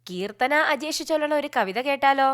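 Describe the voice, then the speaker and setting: Woman, young adult, radio host for kids, friendly and coaxing, sisterly, slightly high voice, radio studio. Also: expressive, normal speed. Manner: friendly, coaxing, speaks like an older sister to children. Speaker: radio presenter. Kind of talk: children's radio program presenting.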